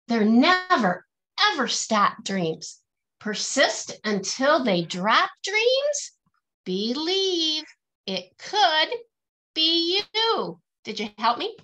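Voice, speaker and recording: Lively, high-voiced woman reading to children. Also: rough recording. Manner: singsong, teacherly, emphatic delivery of rhymes. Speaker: children's author reading aloud. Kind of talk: picture-book read-aloud to children, with questions to listeners.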